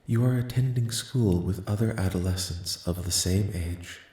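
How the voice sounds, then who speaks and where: A man voicing a curious, polite, detached alien researcher in a soft-spoken ASMR roleplay, questioning in formal, clinical, measured phrases. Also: close to an everyday voice. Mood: calm, curious. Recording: echoing voice with faint rumbling noise.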